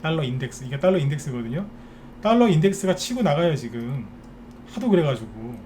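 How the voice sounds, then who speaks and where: A man's voice: fairly high pitch, sing-song, brisk, darkish tone, a little hiss or hum. A man giving a live stock market lecture, ranting bluntly and firing rhetorical questions at his viewers.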